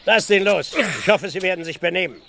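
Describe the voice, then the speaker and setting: A man's voice: high-pitched, a little fast, creaky, bright, forceful tone, a little hiss or hum, full character voice. An actor playing an officious, blustering village policeman in an audio drama, with a formal, pompous and fussy manner. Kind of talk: German audio drama acting.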